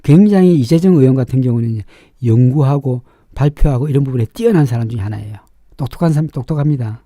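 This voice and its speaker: A middle-aged man with a slightly raspy, sharp-edged voice, explaining things informally and emphatically as an opinionated fortune-telling show host. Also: mid-range voice, fast talker, dry recording, clean studio sound. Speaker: fortune-teller and face reader hosting a show.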